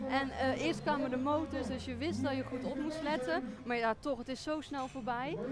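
Over loud background noise, a woman talks at a moderate pace in a high voice, the sound dry with no echo. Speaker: field reporter. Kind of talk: live commentary. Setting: outdoors. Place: street.

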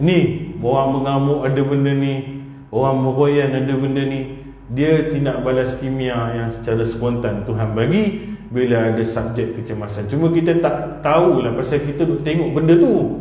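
A man speaks at a fairly slow pace with a medium pitch and ordinary pitch variation, and audible room echo surrounds his voice. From Malaysia. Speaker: Islamic religious teacher. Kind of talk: religious lecture. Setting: mosque prayer hall with congregation. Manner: animated storytelling. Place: hall. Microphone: headset.

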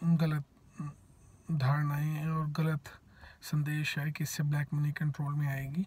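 A man with a Punjabi accent speaks very slowly at a fairly high pitch, somewhat breathy. His intonation is monotone and flat, with long, frequent pauses. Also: dry sound with no echo. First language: Punjabi (speaking Hindi). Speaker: political commentator. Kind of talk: opinion monologue. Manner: hesitant, frequent fillers; Hindi-English code-switching. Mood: critical, argumentative. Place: car. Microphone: phone near.

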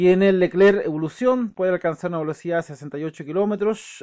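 A man uses lively intonation against a quiet background. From Chile. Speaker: YouTube commentator on military technology; channel host. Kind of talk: casual video commentary; casual commentary. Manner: halting, many fillers.

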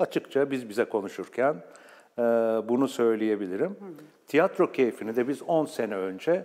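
In a quiet background, a man with a dark, mellow tone talks at a moderate pace and a medium pitch. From Turkey (Ankara). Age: 50s. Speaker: theatre director and actor; actor. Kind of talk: TV interview. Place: studio. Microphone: lapel.

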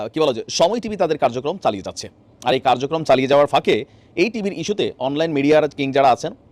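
In a plain, everyday voice, a man talks at a fairly high pitch with lively intonation. The sound is dry and close with no echo. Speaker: news commentator. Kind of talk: news commentary.

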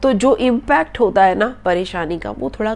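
A woman speaks at a fairly slow pace, her pitch moving with ordinary variation. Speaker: devotional vlogger. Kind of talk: casual vlog chat. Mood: warm, earnest. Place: home room. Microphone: lapel.

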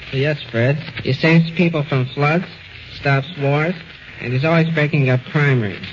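Man with an American accent at a fairly slow pace, long frequent pauses and fairly even intonation, against noticeable background noise. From United States. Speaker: comic book writer, Superman co-creator. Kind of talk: radio interview answers. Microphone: old recording.

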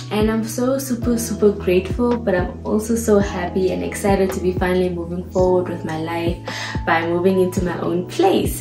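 Clear music plays behind a woman who speaks at a fairly quick pace. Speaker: vlogger. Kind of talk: casual vlog chat. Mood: happy and excited. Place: home room. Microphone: phone near.

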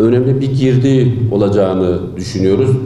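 A man's fairly even intonation comes through with audible room echo. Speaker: party economics official, professor. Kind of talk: interview answer. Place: hall. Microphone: handheld.

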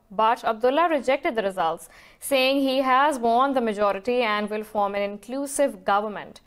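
A woman talks at a moderate pace against a quiet background. Her pitch varies in an ordinary way. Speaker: news anchor. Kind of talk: news reading. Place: studio.

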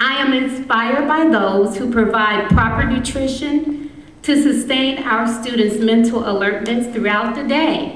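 A woman at a fairly slow pace, with ordinary pitch variation and audible room echo. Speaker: teacher or staff speaker at a district ceremony. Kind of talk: formal prepared speech. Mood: earnest, grateful. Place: stage. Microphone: podium.

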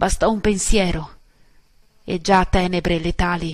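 Speaking at a fairly slow pace, a woman uses a fairly low pitch and a monotone, flat intonation. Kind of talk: dramatic spoken-word poem of denunciation, delivered as a furious curse and lament.

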